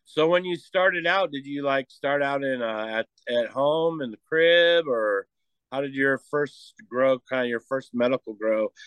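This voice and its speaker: A normal speaking voice from a man, fairly high and fairly slow, with ordinary pitch variation. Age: 50s. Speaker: podcast co-host. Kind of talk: interview. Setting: live-streamed video call.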